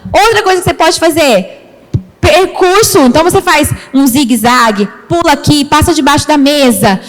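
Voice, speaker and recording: High-voiced Brazilian woman pastor teaching. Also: normal speed, long reverb tail, a little hiss or hum. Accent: Brazilian Portuguese, Rio de Janeiro. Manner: lively, animated, acts out child-teacher dialogue in a high sing-song voice. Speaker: pastor and trainer of children's ministry teachers. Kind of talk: church training talk. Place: church hall.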